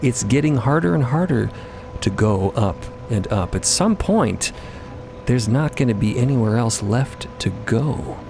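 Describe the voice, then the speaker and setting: Guy narrating a tense adventure tale, medium pitch, music clearly under him. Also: lively intonation, unhurried. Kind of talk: dramatic present-tense story narration.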